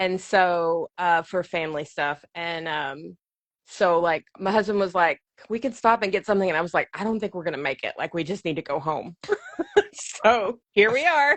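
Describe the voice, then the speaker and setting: Speaking with a slight East Texas accent, a woman talks at a moderate pace in a fairly low voice with ordinary pitch variation. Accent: light East Texas. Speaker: podcast host. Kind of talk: casual chat.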